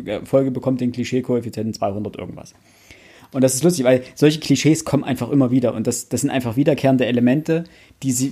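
A man co-hosts a casual book podcast. His voice is mellow and a little rough, with a husky grain. He explains his points and piles up examples as he talks. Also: mid-range voice. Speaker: podcast co-host.

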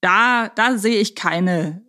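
A woman's voice: mid-range voice, slow, bright, forceful tone. Woman reasoning through podcast chat. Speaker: podcast co-host. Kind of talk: casual podcast discussion.

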